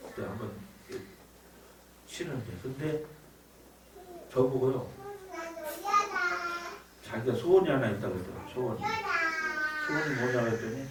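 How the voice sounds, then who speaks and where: A man telling his life story as a spoken church testimony, acting out what he said and felt back then. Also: mid-range voice. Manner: animated storytelling, acts out his own past outbursts. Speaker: evangelist giving testimony. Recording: echoey room, distant mic, noisy.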